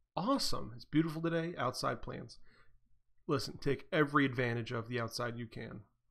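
Against a quiet background, a man with vocal fry speaks at a moderate pace with ordinary pitch variation. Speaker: livestream host. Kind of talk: casual livestream chat, reading viewer comments. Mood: relaxed morning coffee talk. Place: home room. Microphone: webcam.

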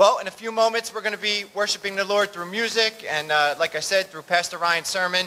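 A man speaks. His voice is raised and projected. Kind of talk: church announcements. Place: church. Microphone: studio mic.

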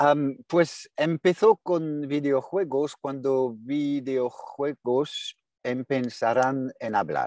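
A man with a non-native accent speaks at a very slow pace with hardly any pauses, fairly high in pitch with ordinary pitch variation. The sound is dry with no echo, over a quiet background. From France. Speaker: voice actor. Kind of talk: interview; interview answer. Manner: halting. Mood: relaxed, friendly. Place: home room. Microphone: video call.

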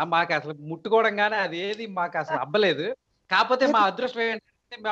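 A man's high voice moves up and down with ordinary pitch variation. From Andhra Pradesh, Tadepalligudem. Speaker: caller. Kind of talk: casual chat.

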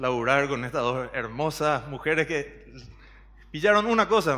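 At a fairly slow pace, a man speaks in a fairly high pitch with a bright, sharp tone. His delivery is animated, with very wide pitch swings. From Paraguay. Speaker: advertising designer; speaker. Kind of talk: talk to a live audience. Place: stage. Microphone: headset.

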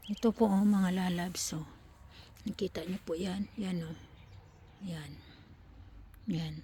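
Somewhat breathy and medium in pitch, a woman speaks fairly slowly with fairly even intonation, long, frequent pauses and big swings in loudness. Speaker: vlogger. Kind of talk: casual vlog tour of plants. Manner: halting, many fillers.

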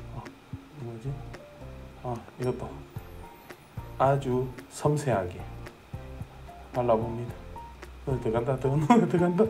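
With music in the background, a man speaks at a moderate pace and a medium pitch, showing ordinary pitch variation. His loudness swings widely, and he takes long, frequent pauses. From Gyeongsang Province, South Korea. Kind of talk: playful comic voice-over dubbing of makeup video. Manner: joking, casual, bemused.

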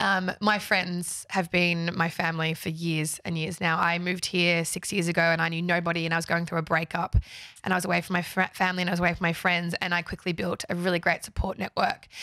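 Very fast and monotone, a woman with an Australian accent speaks with a fairly low, flat intonation in a dry sound with no echo and a quiet background. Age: 30s. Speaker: social media influencer. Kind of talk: casual chat. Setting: studio. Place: studio. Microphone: studio mic.

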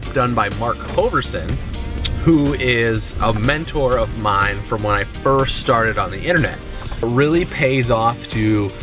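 Clear music plays in the background as a man talks at a fairly slow pace with ordinary pitch variation, in a dry sound with no echo. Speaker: business vlogger. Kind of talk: casual vlog chat. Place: car. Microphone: phone near.

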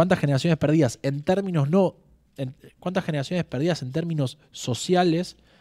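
The tone is dark and mellow, with ordinary pitch variation and a fairly quick pace. The background is quiet. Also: man. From Argentina. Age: 30s. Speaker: stream host. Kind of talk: casual political chat. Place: studio. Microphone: studio mic.

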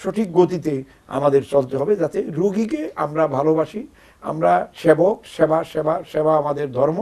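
A man's fairly high-pitched voice with a dark, mellow tone and ordinary pitch variation. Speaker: herbal medicine practitioner. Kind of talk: TV health talk show discussion.

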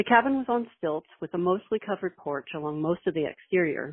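A woman with an ordinary speaking voice talks at a fairly quick pace and a fairly low pitch. Her intonation is lively. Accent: American. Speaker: special effects makeup artist. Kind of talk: personal story telling. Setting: phone voicemail.

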